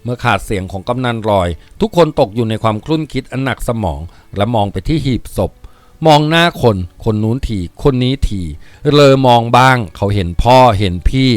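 A man's voice: mid-range voice, lively intonation, normal speed, dry recording. A man steadily reading a novel aloud with a mid-range voice. The sound is dry and close, with no room around it. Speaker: narrator.

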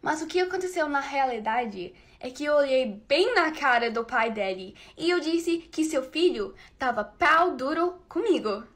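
Bright high foreign-accented young woman. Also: lively intonation, unhurried, few pauses. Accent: foreign accent in Portuguese. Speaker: foreign exchange student. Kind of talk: social media clip monologue. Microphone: phone camera.

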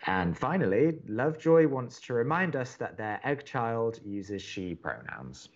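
An upbeat young college radio co-host in a romantic comedy podcast. He is chatty, wry and earnest, with a lively, moving pitch. The sound is slightly muffled. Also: measured pace, soft background music. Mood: wry, animated. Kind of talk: romantic comedy audio drama dialogue.

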